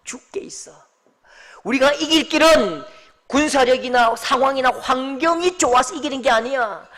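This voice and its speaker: A male pastor delivering a sermon, moving from loud exclamations to hushed whispers. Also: extremely high pitch, moderate pace. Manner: impassioned preaching, swings between loud exclamations and hushed whispers. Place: church sanctuary. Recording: long hall reverb.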